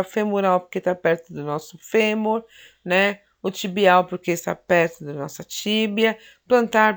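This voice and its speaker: A woman gives a recorded anatomy lesson at a middle pitch. She explains step by step and keeps checking in with her students through short tag questions and fillers. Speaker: teacher.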